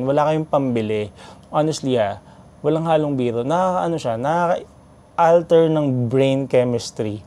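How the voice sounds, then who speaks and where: A man, telling a story in an animated, chatty vlog that mixes in English. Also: a little high. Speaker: vlogger.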